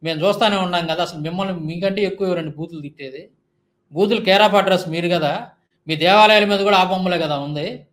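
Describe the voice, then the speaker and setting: A man's voice: high-pitched, fairly quick, fairly bright tone. A man giving a heated monologue rebuttal, firing off indignant rhetorical questions. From India. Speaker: Christian YouTube commentator.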